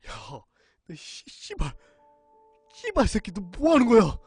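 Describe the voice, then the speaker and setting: A man voicing a gruff, bullying male army investigator in a horror radio story, menacing and barking orders. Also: very high-pitched, huge pitch swings, a little slow, no room sound, soft background music, voice pushed up, full character voice. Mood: shaken yelling. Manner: menacing, then yelling orders. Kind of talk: horror radio drama reading.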